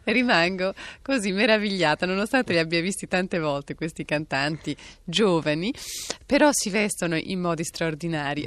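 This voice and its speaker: Low-voiced woman radio presenter, dry sound. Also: fairly bright tone, no echo. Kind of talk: conversational documentary narration and interview. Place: recording studio.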